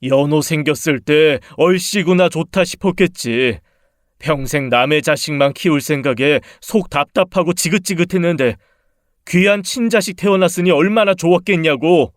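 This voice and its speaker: A resentful husband, grown and accusing, voiced by a man for a radio-drama story. His voice sits a little high and comes across dry and close, with nothing around it. He needles and reproaches in a sour tone. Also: normal speed, dry recording, close to an everyday voice.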